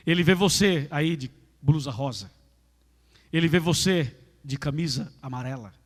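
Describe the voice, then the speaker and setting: A Brazilian man preaching a sermon as pastor, emphatic and repetitive, speaking straight to his congregation in a large church. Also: on the high side. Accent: Brazilian Portuguese. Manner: emphatic, repetitive preaching, addresses listeners directly. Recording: echoey church hall.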